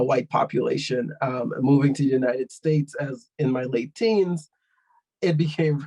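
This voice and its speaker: A man's voice: mid-range voice, vocal fry, a little mellow, poor audio. A young man from Guyana, speaking as a panelist in an online discussion and explaining his ideas thoughtfully with frequent fillers.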